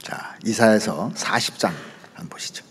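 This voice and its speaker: A man's voice: lowish voice, moderate pace, fairly bright tone, husky, in a whisper. A male pastor preaching a sermon, speaking with sudden rises and drops and frequent asides to his congregation. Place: church sanctuary. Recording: church hall reverb.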